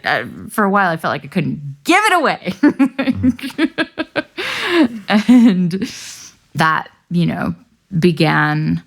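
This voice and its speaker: A woman's voice: sits low, gravelly. A woman hosting an intimate podcast, talking candidly and reflectively and laughing easily. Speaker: podcast host.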